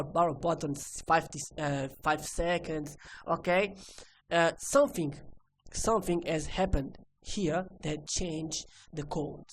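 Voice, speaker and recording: A woman with a Portuguese accent, a native Portuguese speaker, giving a technical lesson step by step in a halting, repetitive way, often checking with the listener. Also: sits low, a little hiss or hum. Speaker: computer repair instructor. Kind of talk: screen-recorded technical lesson, explaining step by step.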